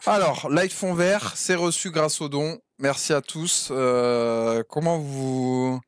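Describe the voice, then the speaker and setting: A man's voice: a little high, slow pace, clear, resonant tone, no echo. Man chatting casually on stream. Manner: hesitant, restarts a lot. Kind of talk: casual out-of-character chat.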